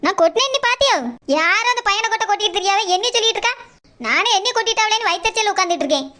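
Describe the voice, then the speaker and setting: An aggrieved, mischievous cartoon woman with an extremely high, piercing voice. She complains at a quick clip, whining. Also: expressive, pushed and bright, exaggerated voice. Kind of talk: cartoon dub dialogue.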